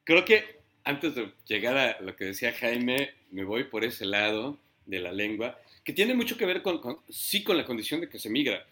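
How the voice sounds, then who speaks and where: A man, a writer on a panel, speaking in a reflective, halting way, often repeating words and clearing his throat. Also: mid-range voice, very animated, sharp tone.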